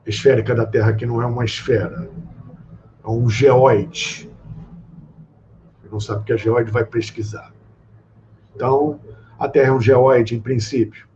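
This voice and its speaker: A Brazilian man explains in a lecturing way, often pausing to check in with his listeners. The live-stream audio is a bit dull and muffled. A faint hiss of room noise sits under his voice. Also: medium pitch, darkish tone. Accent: Brazilian Portuguese. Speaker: guest speaker on esoteric topics.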